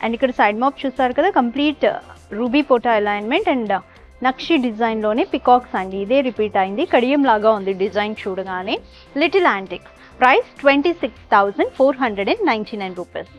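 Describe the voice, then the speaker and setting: Expressive and quick-talking, a high-voiced woman presents for a jewellery store, giving a cheerful product showcase in Telugu mixed with English. She's in a jewellery showroom. The voice track is dull and lo-fi, with faint music.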